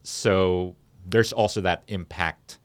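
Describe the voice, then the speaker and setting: A man speaking as an interview guest and startup founder, explaining his business in a conversational, halting and measured way in a studio. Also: low-pitched, steady tone, clean tone, no room sound.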